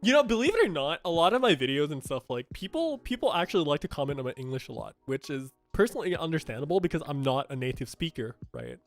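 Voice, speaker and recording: A man's voice: a little high, sing-song, fast, few pauses, faint music behind. Young Thai man, casual gaming rant. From Thailand. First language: Thai and Japanese. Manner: chatty and blunt, with frequent fillers and restarts. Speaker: gaming streamer. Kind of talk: casual game news reaction commentary.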